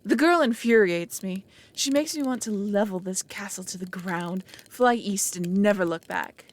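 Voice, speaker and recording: A woman's voice: mid-range voice, normal speed, close to an everyday voice. A woman playing an ancient, proud and lonely dragon, speaking solemnly in a dramatic audio roleplay. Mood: bitter, exasperated. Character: ancient lonely female dragon, proud, brooding, reluctant foster mother.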